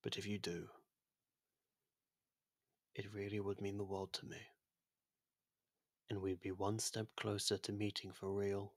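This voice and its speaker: A man playing an ancient otherworldly being with a destructive past, speaking formally and gently in an intimate ASMR roleplay, with a soft husky voice. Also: on the low side, little pitch movement, dry recording, studio quality. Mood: fond, gentle. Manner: measured, formal, gently confiding. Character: ancient genocidal otherworldly being, imprisoned, now courteous and fond.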